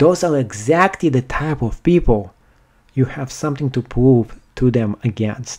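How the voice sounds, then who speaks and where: A man's dark, mellow, somewhat breathy voice with a non-native accent, lively intonation and a fairly slow pace, over a quiet background. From immigrant, not from an English-speaking country. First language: not English. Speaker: podcaster, teacher. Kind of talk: motivational talk.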